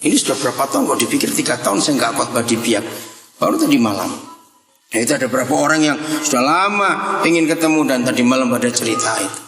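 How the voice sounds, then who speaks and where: A male pastor preaching a sermon in a lively, joking manner, telling stories and acting out dialogue. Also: mid-range voice, quick pace, soft background music. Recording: echoey hall with long reverb.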